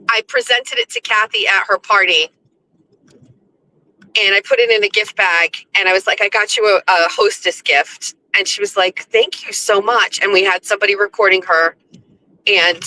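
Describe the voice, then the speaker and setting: A young woman with a hoarse voice, telling a story on her own show in a casual, chatty way, laughing often and swearing freely. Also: mid-range voice, bright, forceful tone, rough recording. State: hoarse from screaming. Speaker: podcast host.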